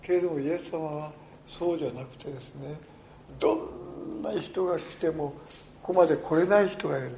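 A male pastor delivering a sermon in a storytelling manner, swinging from hushed tones to loud emphasis. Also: fairly high pitch, a little fast, slight background noise.

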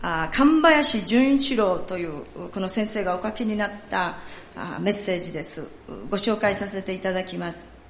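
A woman leading a church service, speaking in a polite, formal and measured way. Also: medium pitch. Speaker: church worship leader. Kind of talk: sermon talk at a church service. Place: church sanctuary. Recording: echoey church hall, faint noise.

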